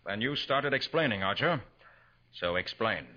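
A man acting a confident master detective in a 1940s radio crime drama, brisk, deliberate and authoritative. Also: fairly low pitch, animated, pushed and bright. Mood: commanding, triumphant. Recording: dull vintage 1940s radio recording.

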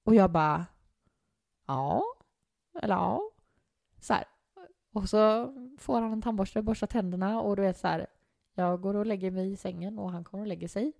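A woman's voice: medium pitch, gravelly, pauses often, no echo, studio quality. A young woman telling a story in casual chat, acting out the quotes of the people in it. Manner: animated, acts out quotes. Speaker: guest.

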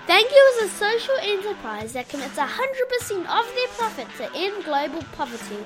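A woman presents as an interview host. Her voice is extremely high and moves with animated intonation. She delivers prepared introductions and questions. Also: fairly quick, over music.

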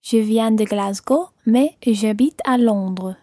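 A woman's voice: fairly high pitch, mellow, no echo, studio quality. A woman taking part in a podcast language lesson as the learner, repeating phrases carefully. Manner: careful, measured repetition.

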